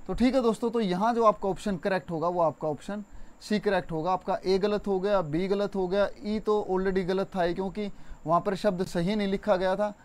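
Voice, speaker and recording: A young man teaching an exam-prep Hindi spelling lesson, chatty and repetitive, stretching words slowly to show stress. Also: sits high, steady tone. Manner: addresses viewers as friends, conversational.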